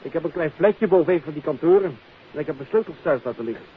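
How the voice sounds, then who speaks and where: A man's voice: on the high side, animated, fast, close to an everyday voice. A man playing a jovial, chatty former army captain and small trader in a genial, colloquial 1950s Dutch radio drama style. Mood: breezy, confiding. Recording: noisy, tinny 1950s radio recording.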